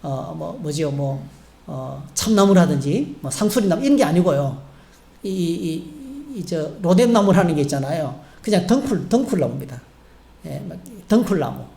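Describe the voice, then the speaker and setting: A middle-aged man preaching a sermon from the pulpit, with a mellow, soft-edged voice. He tells the story casually, pausing for asides and acting out the lines of the people in it. The sound carries the echo of a church hall. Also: on the high side, lively intonation, gravelly. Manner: conversational storytelling preaching with fillers and acted-out quotes. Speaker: pastor. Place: church sanctuary.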